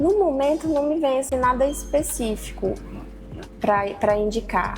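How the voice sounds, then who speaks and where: The speaker has a Goiás accent and ordinary pitch variation. The pace is fairly slow, with music in the background. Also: woman. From Goiás, Brazil. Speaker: labor lawyer. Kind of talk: podcast interview.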